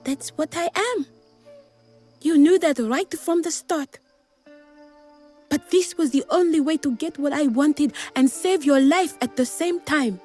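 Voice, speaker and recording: A woman's voice: sits high, a little slow, darkish tone, faint music behind. A woman acting a fiery, scornful young gangster's lover in a video game, emphatic and melodramatic. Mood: regretful, firm.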